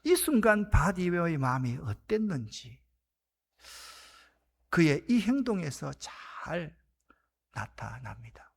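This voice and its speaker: Male pastor preaching in church, high lively voice, dramatic delivery. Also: slow pace, vocal fry, pauses often, breathy edge. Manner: dramatic preaching, shouting acted quotes then dropping to hushed whispers. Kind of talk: sermon. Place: church sanctuary.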